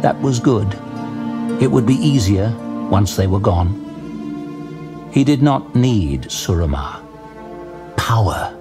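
Guy reading dramatic fantasy, lowish voice, slow and suspenseful, music behind. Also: expressive. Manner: measured, suspenseful. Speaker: narrator. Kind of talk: dramatic scripted fantasy narration.

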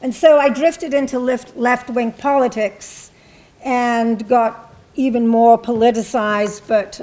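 An older woman from England, a panelist, speaking in a reflective, measured way about her past, with frequent ums and restarts, in a university hall. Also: on the high side, darkish tone. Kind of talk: personal recollection at a panel talk. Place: university hall with a seated audience.

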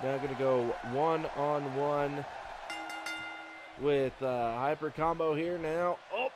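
Excitable man calling a video game wrestling match. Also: a little high, takes it slowly. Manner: excited exclamations, rising with the action. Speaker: play-by-play commentator. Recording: noisy game audio behind.

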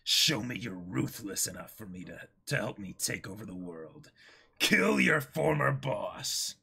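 A man's voice: fairly low pitch, sing-song, unhurried, gravelly, bright, forceful tone, husky, pitched below the performer's own voice, full character voice. A man voicing a boisterous, menacing pirate captain in a commanding, theatrical, gloating manner. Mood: ruthless, commanding.

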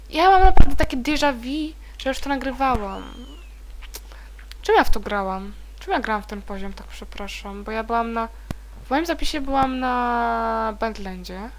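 A young woman talking her way through a game at her desk, jumpy and chatty. Her voice sits a little high and sounds bright and crisp. A faint hiss runs under the recording. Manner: chatty, easily startled, bursts into high shrieks. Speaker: let's play gamer. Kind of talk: casual gameplay commentary.

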